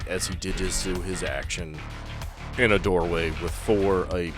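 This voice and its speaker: A man running a tabletop roleplaying game as game master, improvising the narration in a dramatic, deliberate way with pauses. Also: sits low. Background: guitar-led music bed.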